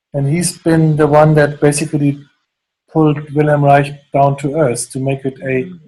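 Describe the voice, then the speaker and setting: A man speaks with a strong German accent in a dark, mellow tone. His voice is somewhat breathy, with monotone, flat intonation. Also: fairly high pitch for a man, moderate pace. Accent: thick German. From Germany. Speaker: orgonite maker, former architect. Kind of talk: interview. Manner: hesitant, many fillers.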